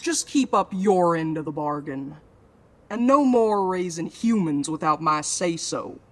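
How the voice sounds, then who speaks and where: Woman playing a menacing, low-voiced commanding conspirator. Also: expressive. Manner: curt, menacing, deliberate. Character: commanding, ruthless conspirator giving orders to underlings. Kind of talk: audio drama acting.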